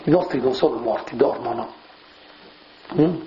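A man giving a homily on scripture in a conversational way, with rhetorical asides and soft fillers. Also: mid-range voice, unhurried, creaky. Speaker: preacher. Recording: muffled lo-fi recording with faint hiss.

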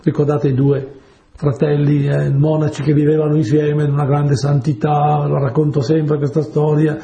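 Warm-toned preacher, man, chatty sermon. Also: on the high side, level tone, normal speed, vocal fry, reverberant. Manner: chatty, asks the audience "capite?". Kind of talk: sermon with told stories.

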